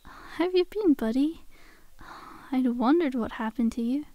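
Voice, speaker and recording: A woman's voice: high voice, animated, a little slow, mellow, no echo. A woman playing a friendly, sly zombie girl in an ASMR roleplay, coaxing a survivor in a chummy, casual, faux-innocent way. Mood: chummy, persuasive.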